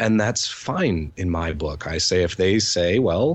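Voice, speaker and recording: A man talks in a normal speaking voice, fairly low in pitch, with ordinary pitch variation. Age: 30s. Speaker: role-playing gamer in a dispute. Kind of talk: casual testimony in mock trial.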